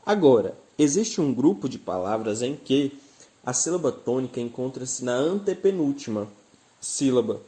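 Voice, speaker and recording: A man's voice: mid-range voice, very animated, normal speed, dark tone. A man with a Brazilian Portuguese accent teaching a grammar lesson, explaining patiently and stressing the example words.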